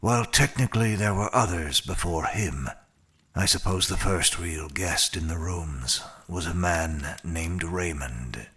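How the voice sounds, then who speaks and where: A cold, formal immortal attendant for an audio drama. The voice is deep and extremely husky, and the words come slowly, blunt and curt, over music. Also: male voice, fairly bright tone, heavily acted. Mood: formal, measured.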